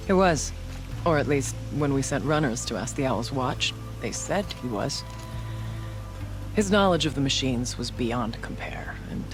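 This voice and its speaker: An actor playing a solemn, devout tribal shaman in a video game, speaking in measured, formal, reverent phrases. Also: mid-range voice, big pitch swings, over music. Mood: grave, measured. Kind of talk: dramatic video game cutscene acting.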